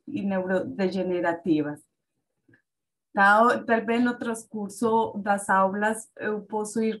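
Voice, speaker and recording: A woman from Colombia with a Colombian Spanish accent, a native Spanish speaker, introducing herself hesitantly to a class as a doctoral teaching assistant. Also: mid-range voice. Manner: hesitant, with many fillers.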